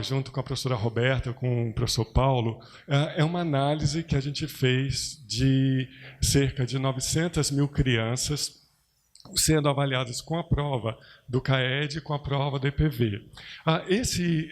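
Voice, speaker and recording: A man presenting research at an academic conference, speaking in a measured, explanatory way with frequent hesitations. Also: on the high side.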